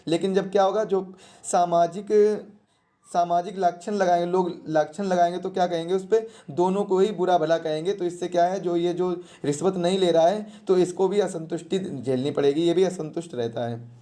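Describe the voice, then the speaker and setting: Mellow exam teacher. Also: medium pitch, steady tone, normal speed. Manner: didactic, repeats questions and answers, poses rhetorical questions. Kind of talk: question-and-answer exam lesson.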